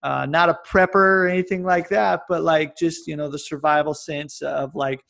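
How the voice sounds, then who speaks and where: An American man in his forties talks as a guest, with a slightly high voice that has a gravelly fry running through it. He rambles and restarts his sentences often, telling stories in an animated way. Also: moderate pace. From United States. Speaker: guest, fitness coach. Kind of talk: casual interview chat. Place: lives in Japan.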